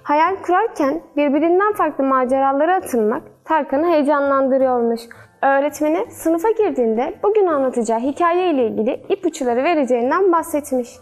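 A woman storyteller reading a children's fairy tale in a gentle, measured way. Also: sits high.

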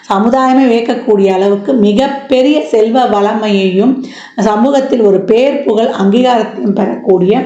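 A woman astrologer explaining a yearly forecast in a steady, explanatory way, listing one point after another with many fillers. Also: mid-range voice, reverberant, muffled recording. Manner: explanatory, lists items with frequent fillers.

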